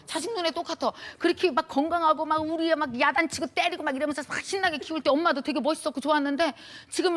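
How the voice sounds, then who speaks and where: With a high voice, a middle-aged female lecturer shares a story from her own life, keeping it lively, colloquial, and full of feeling for her audience.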